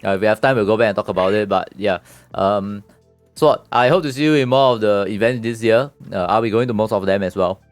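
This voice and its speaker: A stream host, a man with a Singaporean accent, talks in a lowish voice. He rambles casually and circles back over his phrases. The sound is dry, with soft music in the background. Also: fairly quick, no room sound. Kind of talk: casual chat.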